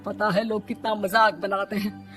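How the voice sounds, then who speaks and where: A woman voicing an irritable, proud middle-aged mother-in-law in an animated story, nagging and scolding with exasperation. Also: medium pitch, normal speed, soft background music, close to an everyday voice.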